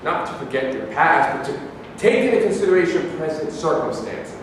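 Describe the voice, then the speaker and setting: Male actor for argumentative, aggrieved Arab man, stage reading; high voice, very echoey room. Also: very animated, moderate pace. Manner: combative, declamatory, formal phrasing. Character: bitter, stubborn, argumentative Palestinian Arab man. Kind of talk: staged play reading, debate-like dialogue. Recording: echoey hall, distant mic, faint noise.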